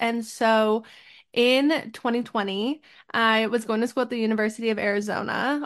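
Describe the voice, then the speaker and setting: Against a quiet background, a woman speaks at a moderate pace in a fairly high pitch. She has an unremarkable speaking voice with fairly even intonation. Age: 20s. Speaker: PhD student and clothing brand founder. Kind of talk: casual interview chat.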